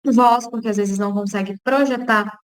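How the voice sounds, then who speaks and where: A woman's voice: fairly high pitch, fairly even intonation, moderate pace, no echo. Woman teaching a casual online class. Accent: Brazilian Portuguese. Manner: casual, explanatory, frequent "tá?" check-ins. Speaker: speech therapist lecturer. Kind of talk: informal online lecture.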